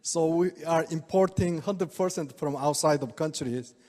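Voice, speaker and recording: Presenting to a live audience, an older Korean oriental medical doctor speaks broken, halting English with frequent chuckles and a Korean accent. His voice sits a bit high for a man with a darkish tone, and a large hall's long reverb trails every phrase.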